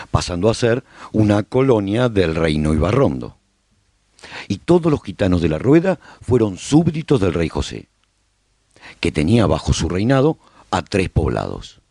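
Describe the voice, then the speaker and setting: A man's voice: low voice, mellow, dry recording, exaggerated voice. A man playing a survivor who hosts a radio broadcast, narrating a post-apocalyptic chronicle as a scripted radio serial.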